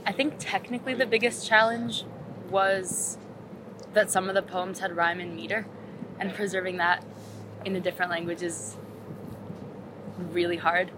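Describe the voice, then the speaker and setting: A woman's voice: on the low side, fairly even intonation, normal speed, long pauses, background noise. A woman translator talking casually about her work, with frequent "like" and "um". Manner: casual, uses "like" and "um" often. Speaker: poetry translator. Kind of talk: conversational interview answers.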